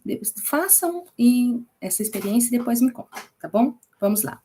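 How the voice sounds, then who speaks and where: Woman, Brazilian Portuguese accent, Bible study teacher, casual class, chatty, checks in often, mellow tone. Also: a little high, expressive, normal speed, slight background noise.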